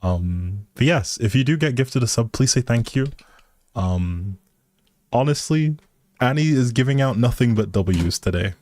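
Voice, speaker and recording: Speaking a little slowly with lively intonation, a man hosts a laid-back livestream of a life simulation game and addresses viewers with polite gratitude. His voice is mid-range and darkish in tone, and there's music in the background.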